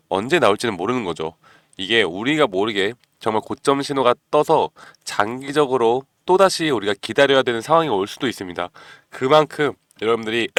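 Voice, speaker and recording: A man hosting a stock market channel, talking persuasively to viewers and often clearing his throat because of a cold. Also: on the low side, fairly bright tone, no room sound, studio quality. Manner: persuasive, keeps asking viewers "you know?". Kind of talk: stock analysis talk to viewers.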